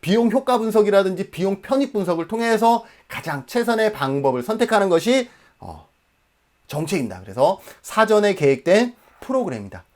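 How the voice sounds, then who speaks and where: A man in his forties from Jeju Island, South Korea, delivers an emphatic exam-prep lecture in a high, very animated voice at a brisk pace. He poses questions and then answers them himself.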